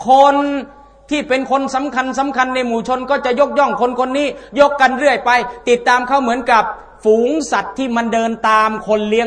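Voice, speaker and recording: A man giving a conversational religious sermon to a congregation, folksy, often asking the listeners rhetorical questions. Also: very high-pitched. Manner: chants scripture passages. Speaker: Islamic religious teacher.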